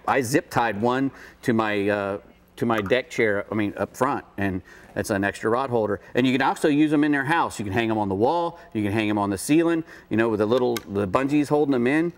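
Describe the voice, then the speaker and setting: A middle-aged man with a halting, folksy way of talking, presenting products casually as co-host of a fishing show. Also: medium pitch. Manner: halting, folksy, repeats himself. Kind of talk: unscripted product showcase chat. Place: indoor TV studio set.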